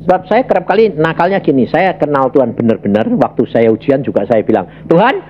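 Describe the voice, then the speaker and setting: A man preaching a sermon and telling a personal testimony. He addresses the congregation directly and tells his story in an animated way. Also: quick pace. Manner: animated storytelling, big pitch swings, addresses congregation as "saudara". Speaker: evangelist preacher. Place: church worship hall. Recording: slightly dull lo-fi audio, faint background hiss.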